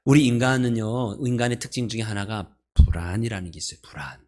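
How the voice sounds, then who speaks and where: A man's voice: on the low side, fast, dark tone. A male pastor giving a sermon in a church, conversational and playful, often asking the congregation questions. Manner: playful, laughs at his own jokes. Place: church sanctuary.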